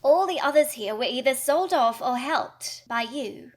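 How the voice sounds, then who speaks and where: A man's voice: very high-pitched, lively intonation, measured pace, voice pushed up, full character voice. A man voicing a prim, polite little girl with a slight British accent. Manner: prim and proper, timid.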